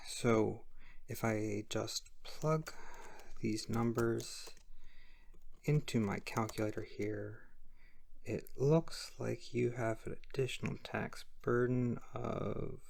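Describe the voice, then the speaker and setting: A performer voicing a shy, flustered IRS auditor in an ASMR roleplay, soft-spoken and hesitant, sometimes slipping into a whisper. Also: mid-range voice, fairly even intonation, creaky. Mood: awkward, methodical. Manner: hesitant, halting, stammering.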